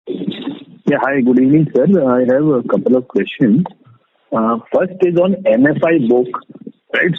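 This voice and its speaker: Dry phone audio, man, Indian accent, husky, medium pitch, polite tentative analyst questions. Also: no room sound. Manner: polite, tentative phrasing with tags like "right". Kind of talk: spontaneous questioning on a conference call. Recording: dry, tinny phone line.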